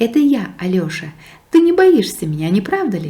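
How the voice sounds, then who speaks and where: A woman performs a put-on character voice at a medium pitch and a fairly quick pace. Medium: read story. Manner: kindly, motherly.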